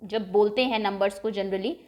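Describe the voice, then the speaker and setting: A woman maths teacher explaining a lesson step by step, patient and clear, often checking in with the class. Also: mid-range voice, steady tone, moderate pace, dull audio.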